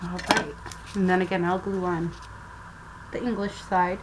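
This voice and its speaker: Woman, slow unhurried talk, thinking aloud, home craft table, noisy background. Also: lowish voice, flat delivery. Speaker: craft vlogger. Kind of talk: casual craft tutorial narration. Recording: audible background noise.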